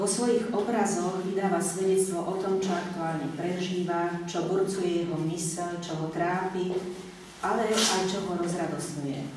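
A woman with a fairly low pitch speaks at a moderate pace amid strong room echo and noticeable background noise. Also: fairly even intonation. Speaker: host's wife, reader. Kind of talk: reading aloud. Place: hall. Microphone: camera far.

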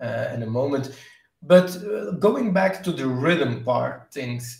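Speaking very slowly with a non-native accent, a man with a fairly high pitch uses lively intonation, with audible room echo over a quiet background. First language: not English. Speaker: guitar teacher and live stream host; host guitar teacher. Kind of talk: casual interview chat on a live stream. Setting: live stream. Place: home room.

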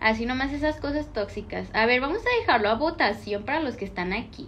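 With a Mexican accent, the speaker sounds animated, using lively intonation at a moderate pace over light background noise. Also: woman. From Mexico. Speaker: gaming streamer. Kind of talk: casual chat. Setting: live stream. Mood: playful, laughing.

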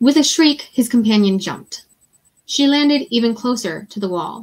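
The voice is somewhat breathy, with very wide pitch swings at a moderate pace. The background is quiet. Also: woman. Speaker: author and event host; event host. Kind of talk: virtual event hosting. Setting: video call livestream. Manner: enthusiastic. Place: home room.

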